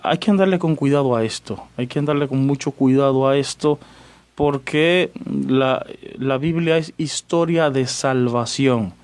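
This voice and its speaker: A man, a Catholic parish priest, teaching church doctrine on the radio in a chatty way, greeting listeners by name and pausing on fillers as he explains. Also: mid-range voice, darkish tone. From Dominican Republic.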